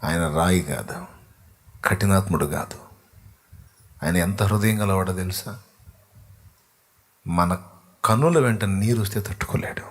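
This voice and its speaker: A male pastor preaching quickly and softly between slow sung devotional lines. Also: sits low, slightly rough. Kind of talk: sermon with sung worship. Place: church livestream.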